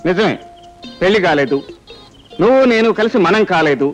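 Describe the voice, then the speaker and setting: A man's voice: high-pitched, animated, brisk, muffled recording, soft background music. An actor playing a joking young man who lectures his girlfriend in a film comedy. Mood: wry. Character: cautious, joking young male lover. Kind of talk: Telugu film comedy dialogue.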